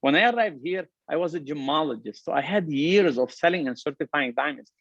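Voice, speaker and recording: A man's voice: fairly high pitch, animated, a little fast, vocal fry, fairly bright tone, dry recording, highs cut off. Lebanese-accented man giving an upbeat keynote. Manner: earnest, upbeat, emphatic with repeated phrases. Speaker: restaurant company founder giving a talk. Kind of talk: motivational keynote speech.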